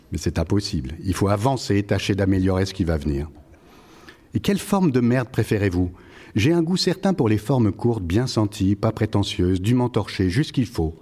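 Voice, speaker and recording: Man, mellow timbre, measured wry reading of his own prose. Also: on the low side. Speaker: author reading and answering. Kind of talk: reading a prose piece aloud.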